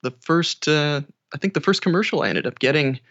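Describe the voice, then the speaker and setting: A man's voice: on the high side, fairly quick, fairly bright tone, dry recording, lo-fi sound. An American man talking casually as an interview guest who works as an audiobook narrator.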